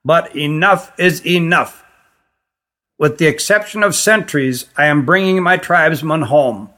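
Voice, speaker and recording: A man voicing a stern, tense old tribal queen with a reedy voice and formal, deliberate phrasing in a fantasy audiobook. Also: on the high side, bright, forceful tone. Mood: stern, resolute.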